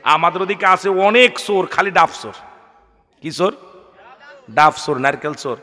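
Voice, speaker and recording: High, piercing preacher. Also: male voice, normal speed. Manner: animated, calls for responses from the crowd. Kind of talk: sermon. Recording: long reverb from a large space.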